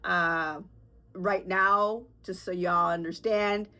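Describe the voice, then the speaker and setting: A congested woman with a sore throat hosts her own casual solo podcast, rambling candidly and chattily with fillers and nervous laughs. Her lowish voice is steady and sharp, and she speaks slowly.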